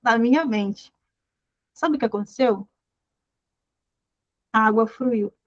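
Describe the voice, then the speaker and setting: A fairly high-voiced woman leads a Bible study and encourages her listeners, repeating short phrases and reading verses aloud. The sound is dry and slightly dull. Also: slow, dry recording. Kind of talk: devotional teaching.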